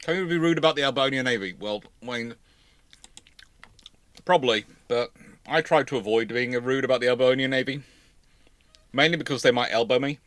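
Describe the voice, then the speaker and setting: On a live naval history Q&A stream, a man answers viewer questions in a casual, playful, teasing style. His medium-pitched, fairly bright voice is quick with frequent pauses, in a dry recording.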